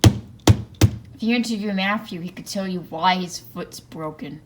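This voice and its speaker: Hoarse woman making offhand asides. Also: fairly low pitch, a little slow, slight background noise. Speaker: camera operator and co-host. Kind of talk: casual chat.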